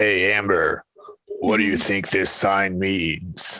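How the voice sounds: Putting on a character voice, a man speaks very slowly in a raspy, fairly low tone.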